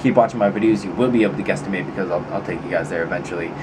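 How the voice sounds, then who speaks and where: A quiet man's voice, fairly low in pitch, with audible room echo and noticeable background noise. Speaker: fitness vlogger. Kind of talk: casual vlog monologue. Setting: his bedroom.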